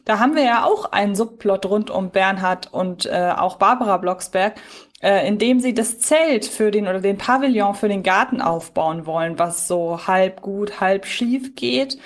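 A woman's voice: medium pitch, moderate pace. A woman co-hosting a podcast, chatting casually in a reflective, wordy way as she thinks aloud. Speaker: podcast co-host. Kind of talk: casual unscripted review chat.

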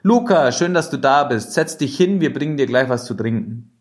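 A man's voice: mid-range voice, lively intonation, moderate pace, natural voice. A male audiobook reader voicing an effusive young woman who welcomes a guest to a garden party. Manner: gushing and welcoming. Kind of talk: audiobook reading.

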